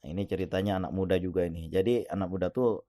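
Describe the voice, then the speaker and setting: A man telling a story in a relaxed, conversational way, with pauses and throat-clearing. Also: low voice, dry recording, clean studio sound. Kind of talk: casual spoken storytelling.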